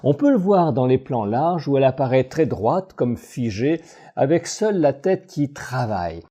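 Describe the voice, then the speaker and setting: Dark-voiced male voice coach. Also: medium pitch, slightly rough. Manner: measured, analytical, expressive phrasing. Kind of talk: scripted voice-over analysis.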